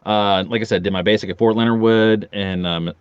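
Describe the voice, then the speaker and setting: A man in his forties with a clean-toned voice on the low side talks briskly as a podcast guest. An audio drama voice actor, he tells anecdotes animatedly and acts out the dialogue, in a dry recording with the highs cut off.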